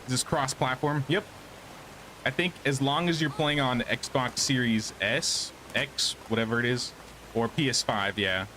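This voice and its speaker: Man of medium pitch for a laid-back stream host who chats with viewers while he plays. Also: measured pace, sharp tone, a little hiss or hum, low-quality recording. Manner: thinks aloud, changes his mind, answers chat. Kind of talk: casual live gameplay commentary.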